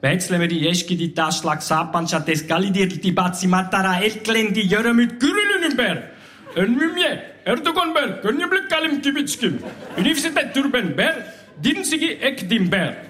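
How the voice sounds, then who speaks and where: A man's voice: high-pitched, expressive, normal speed, sharp tone. Man chanting rhythmic nonsense verse. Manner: rhythmic chanting of repetitive lines and invented nonsense words. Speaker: spoken word performer. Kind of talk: stage poetry performance.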